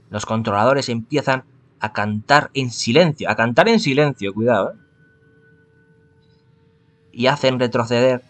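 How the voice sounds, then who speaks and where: A man's voice: medium pitch, a bit bright. Stumbling Spanish man reading a game aloud. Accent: Spain. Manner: stumbling, frequent self-corrections. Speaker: visual novel reader. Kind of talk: reading a game's text aloud with asides.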